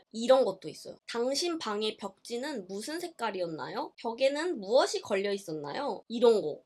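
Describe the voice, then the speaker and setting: A woman's voice: high-pitched, a bit bright. A young woman vlogging, reading a book aloud in casual chat and reacting expressively with gasps and laughs. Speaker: YouTuber.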